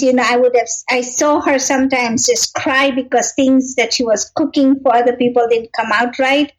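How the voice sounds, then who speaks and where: High-voiced woman from Kenya telling her story. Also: poor audio. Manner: warm reflective storytelling with frequent "you know" and laughs. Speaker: interview guest. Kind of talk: personal storytelling in an interview.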